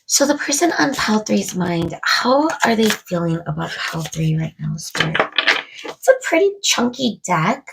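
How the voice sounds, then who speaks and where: A woman's voice: lowish voice, sing-song, moderate pace, vocal fry, background noise. Woman reading tarot cards to camera, a bit congested from a cold, talks to spirit as she goes. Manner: musing aloud, addressing spirit and viewers. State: stuffed up from a cold. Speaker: tarot reader.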